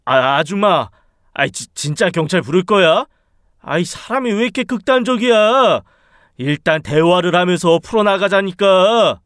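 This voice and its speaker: A man voicing a menacing young thug who bullies and shouts threats in an audiobook story. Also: sits high, lively intonation, moderate pace, no room sound, studio quality. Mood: rattled. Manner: sneering, bullying, shouts threats.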